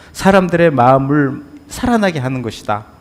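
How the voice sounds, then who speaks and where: Here a man speaks at a fairly slow pace. His pitch is fairly high. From South Korea, Jeolla, Mokpo. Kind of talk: lecture. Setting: church hall with audience.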